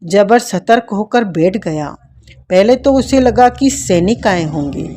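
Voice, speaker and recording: A woman reading a dramatic audiobook at an unhurried pace. Her voice is soft and warm, and her delivery is measured and expressive. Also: medium pitch. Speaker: audiobook narrator.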